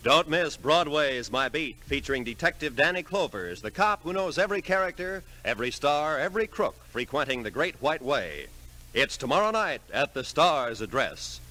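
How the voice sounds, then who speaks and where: A male announcer reads in polished 1950s radio style. His voice is forceful and fairly high, with lively, emphatic swings. It sounds like an old network broadcast. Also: normal speed.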